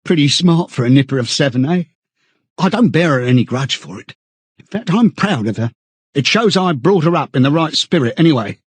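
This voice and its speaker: A man's voice: a little high, big pitch swings, normal speed, a little mellow, breathy edge, no echo, voice pushed up. A man voicing a frightened, servile, middle-aged party loyalist in an audiobook, stammering and eagerly chummy. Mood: doleful pride. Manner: stammering, chummy old-fashioned British chap talk, sententious.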